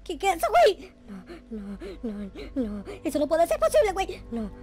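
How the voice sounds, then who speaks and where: A man's voice: very high-pitched, huge pitch swings, moderate pace, music in the background, exaggerated voice. A man voicing a naive, panicky noob boy in an improvised Minecraft roleplay, whining and repeating words frantically. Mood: alarmed. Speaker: gameplay video creator.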